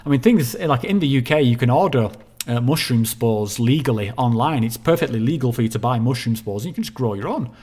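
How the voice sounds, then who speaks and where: A man from Leigh in northern England hosting a call-in show. He gives relaxed, practical advice and often repeats words as he talks. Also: medium pitch, fairly quick, breathy edge. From Leigh, near Wigan, England. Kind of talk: casual call-in chat.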